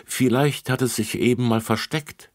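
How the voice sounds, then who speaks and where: A man voicing a calm, kind woman who runs a children's home, in a children's audiobook, speaking soothingly. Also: medium pitch, moderate pace, no room sound, studio quality, voice pushed up, lightly acted. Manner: soothing, reassuring.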